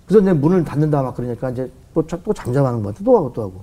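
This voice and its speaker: A man's voice: medium pitch, lively intonation, rapid-fire, warm tone. A middle-aged man telling a story from his life as a talk show guest, acting out voices and sound effects as he goes.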